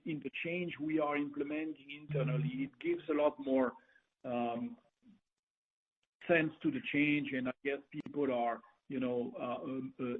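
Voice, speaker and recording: Higher-voiced executive on a tinny call line. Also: male voice. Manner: hesitant, repeats and rephrases words. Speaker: company executive answering analysts. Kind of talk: earnings call question and answer. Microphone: conference call line. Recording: tinny, narrow phone conference line.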